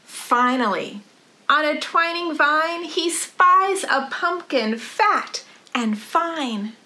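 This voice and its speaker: A middle-aged woman leading a storytime for young children in an animated, rhythmic sing-song delivery, recorded in a living room. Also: high voice, slow. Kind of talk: children's storytime read-aloud.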